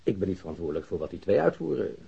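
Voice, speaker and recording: A man acting a slippery, evasive gangster who feigns innocence in a Dutch radio drama, hesitant and smooth-talking. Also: low voice, sing-song, very fast, warm tone, exaggerated voice. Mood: feigned innocence. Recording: dull, lo-fi radio drama recording.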